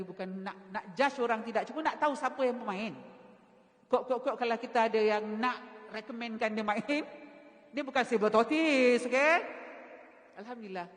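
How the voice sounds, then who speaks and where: A woman religious teacher, giving a women's lecture in a mosque and telling stories with lively sound mimicry. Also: medium pitch. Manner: animated storytelling, mimics sounds. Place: mosque hall. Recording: reverberant mosque hall.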